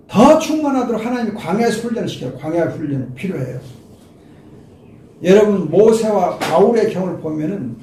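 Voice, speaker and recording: A man's voice: high voice, dark tone, roomy sound, recorded from a distance, a little hiss or hum. An older man preaching an expository sermon as a pastor, emphatic and speaking directly to his listeners.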